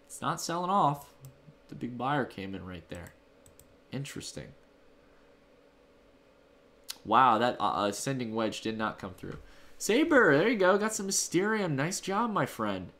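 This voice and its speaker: A man with a mid-range, slightly bright voice hosts a livestream from a room at home. He casually thanks donors and answers chat in a loose, rambling way.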